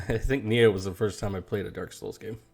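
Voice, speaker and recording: Husky, low-voiced man chatting. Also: brisk, darkish tone. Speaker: podcast co-host. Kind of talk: casual chat.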